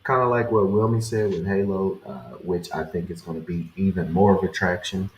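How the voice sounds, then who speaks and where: Deep-voiced man on a distant, echoey mic. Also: a little fast, darkish tone, a little hiss or hum. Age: 20s. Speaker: podcast co-host. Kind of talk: casual gaming chat.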